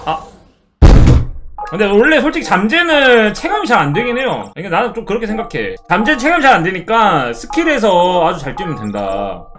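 A young man streaming a mobile baseball game, who swears a lot and shouts at his card upgrades. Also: high-pitched, very animated, a little fast, over music. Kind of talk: live game streaming chat.

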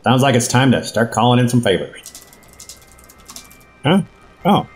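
An actor playing an imperious corporate boss in an audio drama, formal, dry and condescending. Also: male voice, medium pitch, big pitch swings, a little slow, faint music behind. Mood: cold, dismissive. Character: curt, imperious corporate boss running a behavioral center. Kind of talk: scripted audio drama acting.

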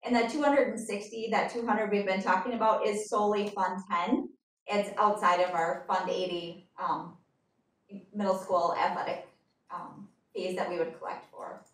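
A woman's voice: mid-range voice, steady tone, moderate pace, distant mic. Hedging woman on an echoey video call. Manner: careful, hedging, with frequent ums. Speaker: district finance staff presenting the budget. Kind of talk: explaining budget details at a board meeting.

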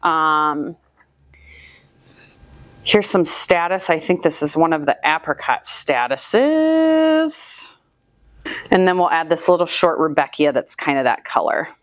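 A woman's voice: low voice, big pitch swings, takes it slowly, long pauses, dry recording. A woman in her thirties from the US Midwest, talking casually to the camera while she builds bouquets, upbeat and chatty. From Northwest Iowa, US. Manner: chatty, upbeat, talks while handling flowers. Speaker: flower farmer and channel host. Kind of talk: casual how-to narration while working. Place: indoor room with flower buckets. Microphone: far camera, hands-free.

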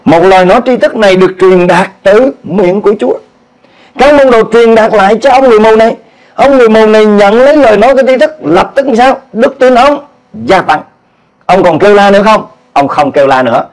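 A man preaching a sermon as pastor, with a Southern Vietnamese accent, animated, asking the congregation questions and acting out quoted cries. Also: high voice, fairly quick, low-quality recording.

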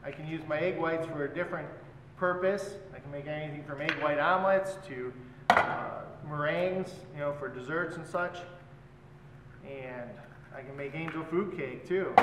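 A man in his forties teaches a cooking class, talking casually as he cracks eggs and mixes dough. His voice sits a little high and reaches the camera from across a large, reverberant hall. Steady background noise runs under the recording. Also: moderate pace. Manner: relaxed, explains while working with his hands. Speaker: chef instructor. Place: large hotel function room, indoors. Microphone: far camera. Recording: echoey hall, voice from far off, loud background noise.

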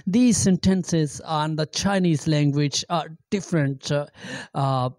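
A middle-aged man giving an amateur language lesson, halting and repeating phrases with many fillers, speaking into a handheld microphone in a small room. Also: a little high, a little mellow, no echo, studio quality. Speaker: language teacher. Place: small indoor room with green backdrop.

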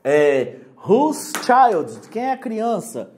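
A man with a Brazilian Portuguese accent teaching English for an exam in a casual, joking way. He reads English examples slowly and translates them. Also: high-pitched, big pitch swings, darkish tone, slight background noise. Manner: casual, joking, keeps checking "entendeu?". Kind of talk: online lesson.

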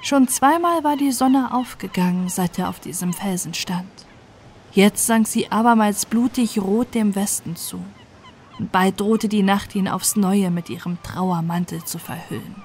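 A woman's voice: medium pitch, unhurried, a little mellow, a little hiss or hum. A woman narrating a scripted fairy tale as a bedtime audiobook.

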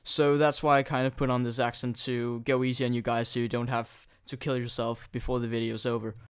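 A man's voice: mid-range voice, little pitch movement, fairly quick, clean tone, no echo, studio quality. Teen boy with a put-on British accent. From Denmark. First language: Danish. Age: teens. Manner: rambling, joking and crude, with frequent restarts. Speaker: gaming YouTuber. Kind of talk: casual screen-recording tutorial commentary. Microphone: new desktop microphone.

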